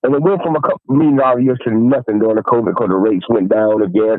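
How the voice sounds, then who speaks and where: A man's voice at medium pitch. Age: 60s. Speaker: caller, father of a scam victim. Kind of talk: phone-in testimony. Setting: phone call. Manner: halting. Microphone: phone line, echo at first.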